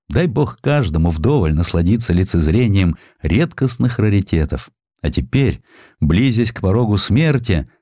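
A man's voice: deep voice, a little mellow, no room sound, clean studio sound, exaggerated voice. A man voicing an elderly, ailing provincial collector, proud and plain-spoken, with old-fashioned, emotive speech in an audiobook. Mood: solemn.

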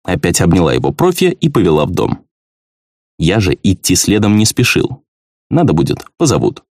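A man narrating a first-person fantasy audiobook in an expressive, conversational manner. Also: sits low, moderate pace, dry recording, studio quality.

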